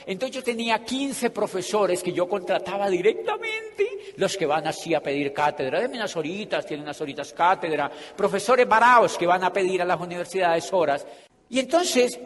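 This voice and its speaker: A man giving a humorous motivational talk to an audience, telling a story about his own past and acting out the scenes with big swings in his voice. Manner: animated, acts out scenes with big pitch swings. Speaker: motivational speaker. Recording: echoey hall with faint ambient noise.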